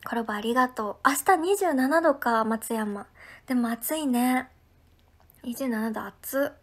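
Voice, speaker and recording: Woman, Ehime accent, high voice, friendly livestream chat, breathy soft asides. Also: unhurried. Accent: Ehime Japanese. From Ehime, Japan. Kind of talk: casual livestream chat, reading viewer comments.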